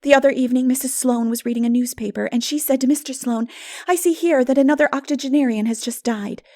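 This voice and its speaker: A woman's voice: high-pitched, fast talker, dark tone, voice pushed up. A woman voicing an impulsive, melodramatic, talkative teenage girl in a breathless, exclamatory audiobook reading. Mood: chatty. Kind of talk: dramatic audiobook character voice.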